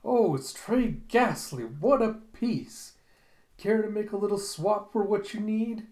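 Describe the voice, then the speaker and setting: Man putting on a high-voiced, sleazy madam, cooing. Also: unhurried, a little mellow. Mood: gushing, ghoulish. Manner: theatrical, flirtatious haggling with endearments. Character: stereotypical sleazy madam peddling drugs, teasing and ghoulish.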